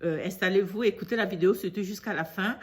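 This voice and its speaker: A woman's voice: mid-range voice, quick pace. A woman with a cold telling a news story to her viewers in a chatty way. She often repeats herself and grows indignant as she lectures. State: congested from a cold. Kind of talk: casual storytelling monologue to camera.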